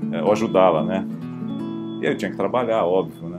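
Clear music plays in the background as a man with a fairly low pitch speaks. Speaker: journalist and broadcaster, 30 years in journalism. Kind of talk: interview answer, personal life story. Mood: warm, smiling, nostalgic. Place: home room.

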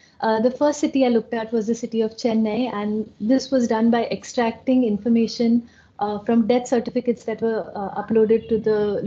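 At a fairly quick pace, a woman speaks with a fairly high pitch and fairly even intonation, her tone dark and mellow and somewhat breathy. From India. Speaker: data journalist and author; data journalist. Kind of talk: presentation. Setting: video call. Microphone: video call.

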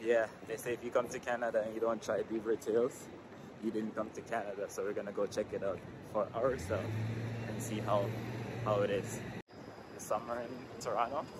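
At a moderate pace, a man talks in a dry recording with no echo but noticeable background noise. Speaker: vlogger. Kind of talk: casual vlog chat. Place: street. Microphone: phone near.

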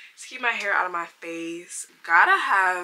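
A woman talks in a normal speaking voice with fairly even intonation. There is light background noise. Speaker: lifestyle vlogger. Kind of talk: casual vlog chat. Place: home room. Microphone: camera far.

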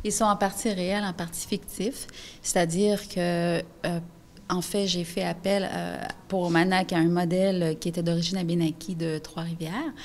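A woman with a plain, everyday voice speaks at a fairly slow pace, her pitch fairly low and her intonation fairly even. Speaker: interviewee. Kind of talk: interview. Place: hall. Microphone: handheld.

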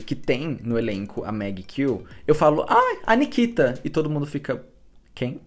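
In an animated tone, a man speaks at a fairly high pitch. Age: 20s. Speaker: entertainment youtuber. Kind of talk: casual chat.

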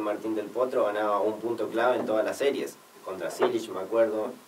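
A man's fairly quick speech is heard against noticeable background noise. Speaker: journalism student on radio practice. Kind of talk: radio sports talk show. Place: studio.

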